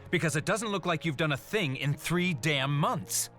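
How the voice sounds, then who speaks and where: A man's voice: on the high side, animated, normal speed, a bit bright, faint music behind. A man voicing an impatient, incredulous young government agent in a motion comic. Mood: exasperated. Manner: incredulous, complaining.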